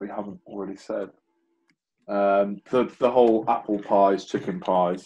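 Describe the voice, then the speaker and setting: Fairly slow and low-pitched, a man speaks in a dark, mellow tone with monotone, flat intonation. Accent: British. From England. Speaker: returning podcast guest; podcast guest. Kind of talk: casual chat. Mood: amused, relaxed. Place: home room. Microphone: video call.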